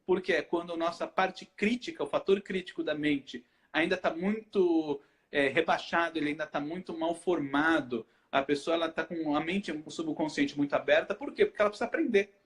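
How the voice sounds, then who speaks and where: A man's voice: fairly high pitch, a little fast, few pauses. A man from Brazil, a hypnotherapist hosting a casual live chat, explaining with rhetorical questions that he answers himself. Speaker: hypnotherapist host.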